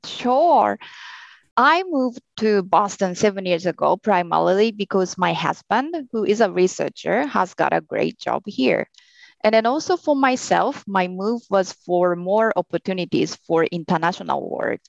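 A woman from Japan, a native Japanese speaker, talks carefully as a podcast guest. Her voice is lowish with a gravelly fry. The audio is dry and a little muffled. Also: lively intonation, measured pace, no room sound. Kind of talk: conversational podcast talk. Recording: slightly dull lo-fi audio.

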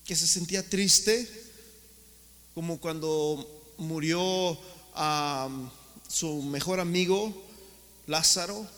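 A man's voice: fairly high pitch, extremely slow, pauses often, a bit bright, long reverb tail. A man preaching a sermon as pastor, asking rhetorical questions and calling the congregation brothers. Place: church hall.

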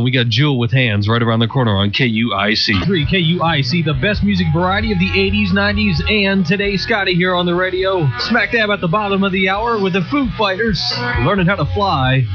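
American man, upbeat music-radio DJ, slightly high voice, prominent music bed behind him. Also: a bit bright, muffled recording. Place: radio studio.

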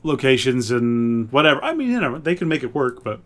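A man's voice: mid-range voice, sing-song, a little fast. A man hosting a podcast, chatting casually about games and films as he reads out and reacts to suggestions. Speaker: podcast host.

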